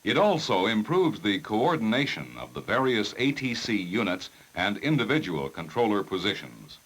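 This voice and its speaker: Deep-voiced male 1960s training film narrator. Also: very animated, a bit bright, poor audio. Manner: formal, measured, precise enunciation. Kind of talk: scripted technical narration.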